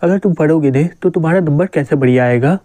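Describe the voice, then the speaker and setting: A man's voice: fairly high pitch, fast, dark tone, no echo, close to an everyday voice. A man voicing a caring but bossy teenage schoolgirl who scolds her friend, in a manga recap.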